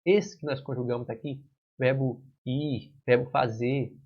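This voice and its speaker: Walking students through verb conjugations at the whiteboard, this male exam-prep teacher speaks with a Brazilian Portuguese accent and a medium, slightly rough voice. His delivery is a little slow with fairly even intonation, broken up by frequent "certo?" and "né?" checks as he goes step by step. The lo-fi classroom audio is dull.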